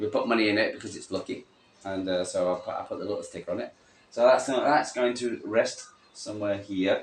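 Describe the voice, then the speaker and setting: A man in a Mancunian accent at a fairly quick pace. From Manchester, England. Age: 60s. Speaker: vlogger, football fan. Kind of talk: casual monologue to camera.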